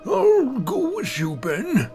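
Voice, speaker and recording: A man voicing a sneering, gloating old doctor in a dramatic horror comic reading, with a theatrical, drawn-out delivery. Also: very high-pitched, huge pitch swings, mellow, a little hiss or hum, exaggerated voice. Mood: feigned grief. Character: sneering, gloating old doctor who poisoned his friend.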